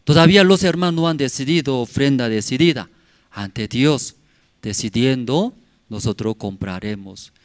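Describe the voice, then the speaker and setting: A man's voice: medium pitch, moderate pace, no room sound, studio quality. A male pastor, preaching a sermon in short phrases that he asks and answers himself. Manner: asks and answers his own questions, acts out sounds. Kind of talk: prayer service sermon. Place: church.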